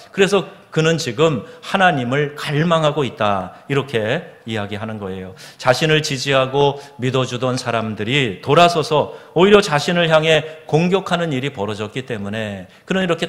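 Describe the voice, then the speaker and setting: A Korean man, a pastor, delivers a Sunday sermon at an ordinary middle pitch. He asks his listeners questions and reads scripture slowly and solemnly. His voice rings out with the long reverb of a church sanctuary. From South Korea.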